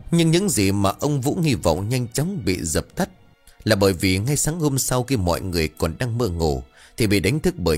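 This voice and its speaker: A man narrating a ghost story, reading it aloud in an expressive way and voicing the characters' dialogue. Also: fairly low pitch.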